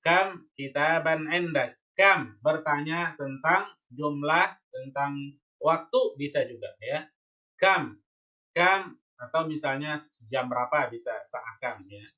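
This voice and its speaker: A man's voice: fairly high pitch, slow pace, sharp tone, lo-fi sound. A man teaching Arabic in an online lesson with shared slides. He is patient and repeats each point, checking in with a questioning "ya?" and "oke?".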